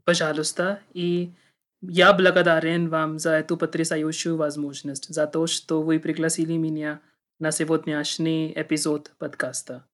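A man's voice: on the high side, little pitch movement, moderate pace, a bit bright. A man in his twenties from India, a native Hindi speaker with an Indian accent, speaking carefully and formally as an interview guest, a little nervous. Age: 20s. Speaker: podcast guest. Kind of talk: interview conversation in a second language.

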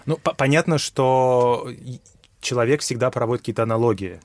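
A man's voice: medium pitch, fairly quick, darkish tone. A man explaining how to study a language in a conversation, thinking aloud with many fillers and restarts. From Russia. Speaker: guest, English teacher.

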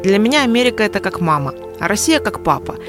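A woman's voice: racing, over music. A middle-aged woman from California with an American accent, animatedly telling stories as an interview guest in a language that is not her first. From California, USA. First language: English. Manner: lively, animated storytelling with wide swings in pitch. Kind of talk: podcast interview.

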